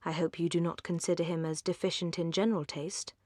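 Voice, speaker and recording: A woman doing a calm, measured English elder sister. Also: fairly low pitch, no room sound, clean studio sound, voice pushed down, natural voice. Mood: gentle. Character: sensible, composed elder sister.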